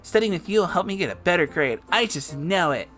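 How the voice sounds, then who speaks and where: A sweet teenage cartoon bunny girl, voiced by a man, friendly and eager. The pitch sits a little high and the delivery is lively, as in a storybook reading. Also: brisk, faint music behind.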